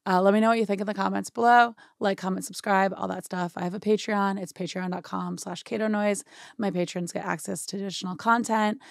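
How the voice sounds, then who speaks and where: Young woman w/ a shot hoarse voice, gravelly, chatty tutorial vibe, dry close sound. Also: mid-range voice, fairly even intonation, brisk, no room sound. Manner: chatty, explanatory, often adds "right?". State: hoarse, voice worn out. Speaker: music production tutorial host. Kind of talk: casual screen-share software tutorial. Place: home studio, indoors.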